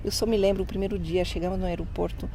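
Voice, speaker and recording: A middle-aged woman from Canada, a French native speaker, talking in a casual interview and often pausing to restart her words. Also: lowish voice, steady tone, dark tone, slight background noise. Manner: thoughtful, pauses and restarts words. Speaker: interview guest.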